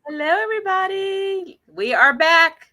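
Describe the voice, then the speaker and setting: A woman's voice: very high-pitched, expressive. A tired woman casually co-hosting a live stream, giggling and agreeing often. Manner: slow, warm-hearted, giggly, many affirming "yeah"s. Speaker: tarot channel co-host.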